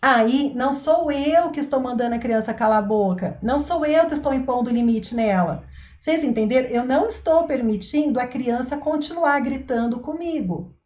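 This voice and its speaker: Mom coach, higher voice, echoey. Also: female voice, normal speed. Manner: expressive, acts out scenes, tags sentences with "tá?" and "né?". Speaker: parenting coach and mother. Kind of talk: explanatory talk to an online audience. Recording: echoey room.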